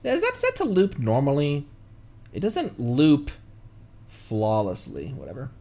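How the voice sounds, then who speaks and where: A man's voice: mid-range voice, wildly swooping pitch, unhurried, dark tone. A man chatting casually on a livestream as the streamer, playful and rambling.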